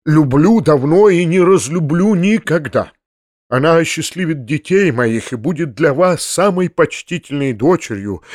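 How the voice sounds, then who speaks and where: A man reading aloud voices an agitated middle-aged gentleman who speaks with solemn, earnest pleading. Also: a little high, no echo, clean studio sound.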